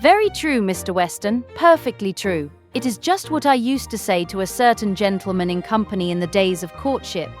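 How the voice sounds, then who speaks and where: An actress playing a vain, self-satisfied young married gentlewoman in a period audiobook drama, chatty, affected and pompous. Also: mid-range voice, close to an everyday voice. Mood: gushing, coy. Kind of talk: full-cast audiobook period drama acting.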